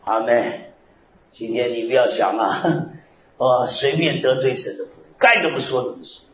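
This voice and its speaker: Male pastor, fiery sermon, swings wildly in pitch and shouts; echoey hall, a bit muffled. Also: a little slow, a little hiss or hum. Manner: animated preaching with sudden shouted phrases. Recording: roomy, slightly dull recording.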